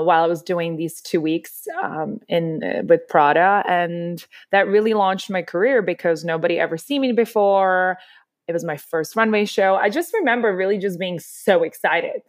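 A woman's voice: on the low side, moderate pace, no room sound, studio quality. A woman, telling her story as a podcast guest in an enthusiastic, rambling way. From Czech Republic. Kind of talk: casual interview chat.

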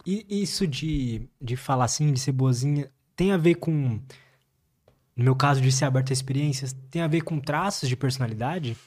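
A man's voice: medium pitch, normal speed, darkish tone. A man hosting a podcast, putting short questions to his guest. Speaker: podcast host. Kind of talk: interview questions.

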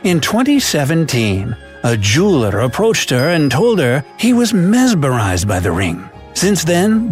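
A man voicing an old male pirate storyteller who tells tales of lost treasure in pirate slang with a theatrical drawl. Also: fairly high pitch. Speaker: narrator. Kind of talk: scripted narration.

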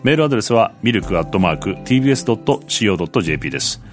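Male radio host, low voice, fast, lots of quick nods and replies, faint music under. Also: lively intonation. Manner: frequent short backchannel replies. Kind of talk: radio interview. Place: radio studio.

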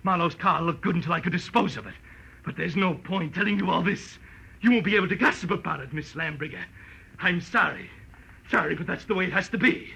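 An actor playing a cowardly murderer in a 1940s radio crime drama, by turns menacing and pleading, with a raspy, strained voice. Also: male voice, high-pitched, brisk, sharp tone, heavily acted, poor audio. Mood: cold menace.

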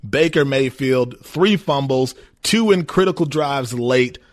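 A man from Minnesota co-hosting a sports talk radio show, talking in animated bursts and laughing as he makes his points. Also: mid-range voice, unhurried. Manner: animated, laughs often, stresses words for emphasis. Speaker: fill-in sports radio host.

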